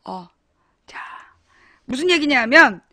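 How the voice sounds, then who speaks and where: A woman hosts a casual live-stream chat show, thanking viewers by name and mocking her critics with a laugh. Her voice sits high and bright. It is recorded dry and close on a desk mic. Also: expressive, slow, no room sound. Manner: chatty, laughing, blunt and mocking.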